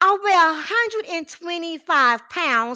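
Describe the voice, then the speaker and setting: Lively intonation in a woman's raised, projected voice. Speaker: guest telling a personal story.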